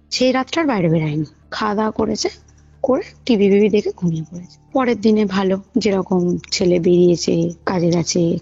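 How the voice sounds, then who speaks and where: Female caller, husky voice, casual animated storytelling, dull phone audio with music under it. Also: mid-range voice. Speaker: caller telling a personal ghost experience. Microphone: phone call. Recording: muffled phone call recording, music underneath. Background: background music.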